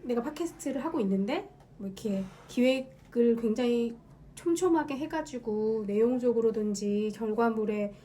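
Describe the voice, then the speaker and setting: Mellow, higher-pitched woman thinking aloud. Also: a little hiss or hum. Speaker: podcast host. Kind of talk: casual solo monologue.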